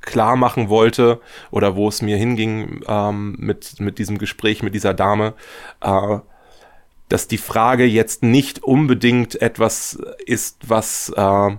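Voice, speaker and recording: A man's voice: fairly low pitch, little pitch movement, takes it slowly. A man giving reflective interview answers as a guest, thoughtful and often searching for his words. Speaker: radio play writer, interview guest.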